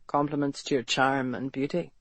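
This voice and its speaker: A man's voice: fairly high pitch, fairly even intonation, normal speed, no room sound, close to an everyday voice. An actor playing a bold, protective Victorian London man who talks matter-of-factly and turns coaxing and flirtatious. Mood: teasing.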